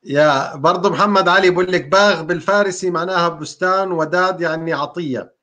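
Jovial high-voiced man. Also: a little fast, bright, forceful tone, muffled recording. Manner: jovial, laughs often, teasing. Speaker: co-host of a live quiz show. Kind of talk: casual live chat.

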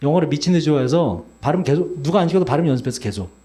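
A male teacher in his forties lectures a class in a chatty, teasing way, turning often to the students. His voice sits a little high and swings widely in pitch as he explains and jokes. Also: animated, rapid-fire, mellow. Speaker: English teacher.

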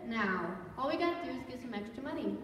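A woman's voice: fairly high pitch, lively intonation, quick pace, a bit bright. A woman playing a keen, questioning young sister in a stage radio play. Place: large church auditorium, recorded from the audience. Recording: echoey hall from far off, noisy.

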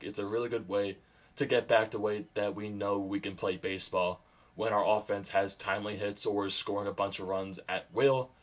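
A young man with a fairly low voice talks through the game from a small room at home, speaking into his webcam. He swings from calm to loud, excited bursts on the big plays. His throat is sore and his voice is starting to go. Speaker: sports vlogger. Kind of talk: excited fan game recap.

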